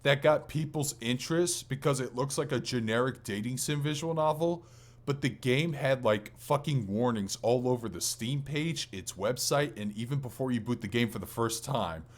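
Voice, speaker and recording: A man co-hosting a podcast, chatting casually and enthusiastically about video games with some swearing. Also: medium pitch. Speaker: podcast co-host.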